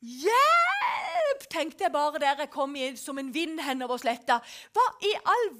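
A woman tells a vision as a dramatic testimony, and her voice sits very high and leaps around. She sinks to hushed whispers, then rises to loud cries as she acts out her own pleading prayers. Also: animated. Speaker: preacher telling a vision.

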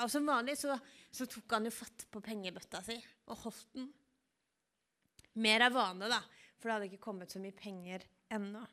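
A woman preaching, telling a Bible story in a calm, vivid storytelling manner. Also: on the high side. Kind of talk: storytelling sermon.

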